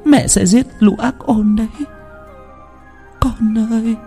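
A man's voice: medium pitch, sing-song, normal speed, mellow, roomy sound, long reverb tail, soft background music, close to an everyday voice. A man voicing a grieving young peasant mother who pleads through tears and swears revenge. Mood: sobbing grief. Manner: sobbing, pleading.

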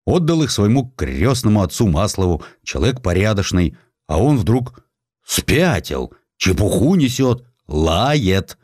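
A man's voice: on the low side, sing-song, measured pace, darkish tone, dry recording, clean studio sound. A man voicing a bitter, weary, despairing middle-aged Russian general in an audiobook, plain-spoken and disillusioned. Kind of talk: audiobook character dialogue.

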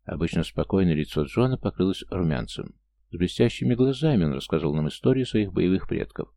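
A man reading a first-person audiobook in a calm, even storytelling manner, recorded close on a studio mic. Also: deep voice, brisk, gravelly. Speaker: audiobook narrator.

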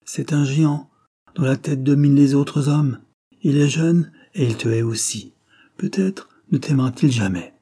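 A man's voice: mid-range voice, a little slow, mellow, husky, voice pushed up. A man voicing an old gypsy seer in an audiobook, making solemn prophecies. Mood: grave. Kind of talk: audiobook character reading.

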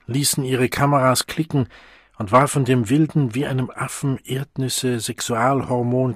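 A man narrating an audiobook in a measured, dramatic way, recorded close on a studio mic. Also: medium pitch, breathy edge, no echo.

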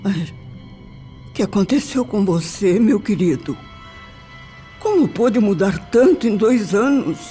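Actress doing a distressed spirit wife in a radio drama, soft mellow voice, tender, eerie music behind her. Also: mid-range voice, lively intonation, measured pace, long pauses, natural voice. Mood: tender dismay. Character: shocked mother and wife, a spirit visiting her husband.

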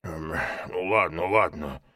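A man voicing a slow, easygoing male bear in an audiobook, mumbling hesitantly with drawn-out fillers. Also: low voice, sharp tone, dry recording, studio quality, pitched below the performer's own voice, heavily acted. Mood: mumbling, placid. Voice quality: gravelly, husky. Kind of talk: audiobook character voice.

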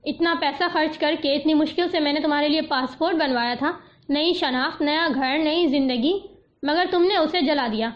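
A woman voicing a curt, cold young man who scolds in a flat, sarcastic way. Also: sits high, lightly acted. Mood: angry. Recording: dull lo-fi audio.

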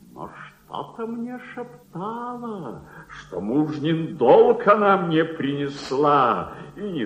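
An actor playing an old, proud, greedy miser baron who gloats over his gold, declaiming verse grandly with dramatic pauses in a theatrical radio drama. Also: deep voice, exaggerated voice. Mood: sly, scornful. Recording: dull, echoey old radio play recording.

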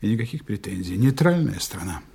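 An actor playing a smooth, authoritative German agent giving orders to his team in a radio play, speaking in calm, clipped tones. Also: lowish voice, a little fast, slight background noise. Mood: commanding. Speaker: intelligence operative commanding a team.

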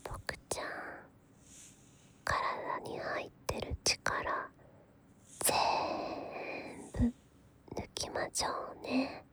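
A woman playing a gentle, doting mommy in a whispered role-play, talking to a baby in a breathy, soothing, coaxing way. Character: gentle doting mommy babying and lulling a grown listener.

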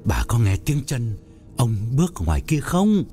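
Narrator doing tired scared old husband, irritable, mellow dark voice, lively pitch. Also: male voice, moderate pace, soft background music. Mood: weary fearful. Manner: weary, irritable, anxious. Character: frightened, worn-out older husband.

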